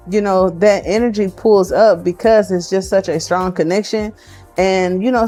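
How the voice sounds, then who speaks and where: A woman doing a casual tarot card reading for her viewers, chatty and excitable as she thinks aloud. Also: medium pitch.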